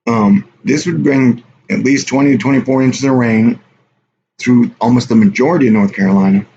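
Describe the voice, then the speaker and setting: A man chats loosely to his viewers in a rambling, offhand way, reading their comments aloud as he goes. His voice sits at an ordinary pitch. The audio is dull and lo-fi, with a faint hiss underneath. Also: normal speed, creaky, warm tone. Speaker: livestream host. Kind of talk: casual live stream chat with viewers.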